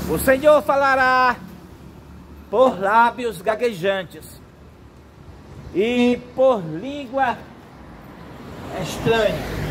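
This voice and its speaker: A Brazilian man preaching a prophetic sermon in a solemn, halting way, in short phrases. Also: very high-pitched, slight background noise.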